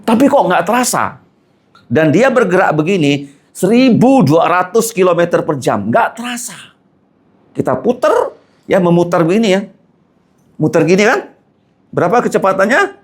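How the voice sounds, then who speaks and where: Animated pastor teaching a class. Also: male voice, high voice, normal speed, pauses often. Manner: lively, asks the class questions and answers them.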